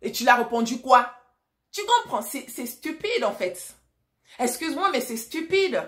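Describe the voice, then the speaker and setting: A woman from Africa delivers a casual vlog monologue, speaking straight to her viewers. Her voice sits a little high, and she is blunt and emphatic, firing rhetorical questions at her audience. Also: very animated, measured pace, a bit bright. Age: adult, married mother. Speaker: vlogger and storyteller.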